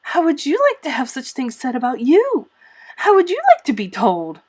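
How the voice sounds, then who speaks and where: A woman's voice: high voice, very animated, moderate pace, slightly rough, voice pushed up, heavily acted. A woman voicing a furious, indignant eleven-year-old orphan girl in a storybook, in emphatic outbursts. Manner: emphatic, exclamatory, shouting outbursts.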